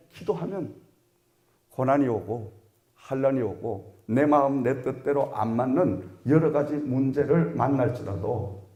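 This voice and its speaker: A middle-aged male pastor preaching a sermon with animated delivery, shouting commands and acting out exchanges. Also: mid-range voice. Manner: animated preaching, shouted commands, acts out dialogue, frequent "응?" asides. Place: church sanctuary. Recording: echoey church hall.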